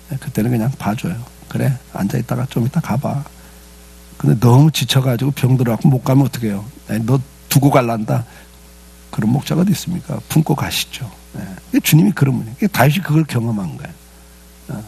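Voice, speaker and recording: Gravelly, husky man preaching a sermon. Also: mid-range voice, a little mellow. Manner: conversational preaching with rhetorical questions and frequent "예". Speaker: pastor.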